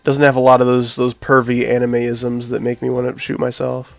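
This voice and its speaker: A man's voice: mid-range voice, monotone, a little fast, gravelly, dry recording, soft background music. A man with a nasal voice from being sick, chatting casually to his live-stream viewers while he builds a game level. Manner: chatty, talks to chat while working.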